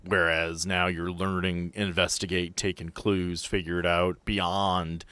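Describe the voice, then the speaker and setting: A man's voice: deep voice, little pitch movement, unhurried, bright, forceful tone, clean tone, dry recording. A man acting as game master, describing and explaining a tabletop game scene in an improvised way.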